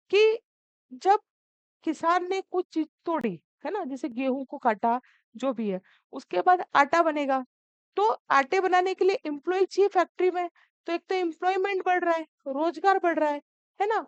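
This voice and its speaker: Woman teacher, high voice, coaxing exam prep, dry lo-fi recording. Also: no echo. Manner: scolding, coaxing, calls students beta.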